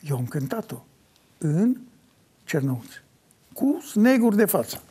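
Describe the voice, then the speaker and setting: An older man answering interview questions in an animated way, breaking into sung folk lines as he talks. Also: sits high, slightly rough. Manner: animated, sings folk lines mid-talk. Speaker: folk singer.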